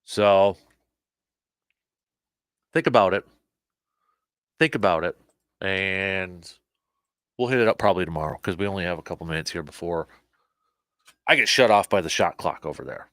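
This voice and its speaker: Low-voiced man hosting sports talk. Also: moderate pace, pauses often, dry recording, studio quality. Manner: animated, repeats words, restarts sentences. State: slightly hoarse, losing his voice. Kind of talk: casual sports talk show.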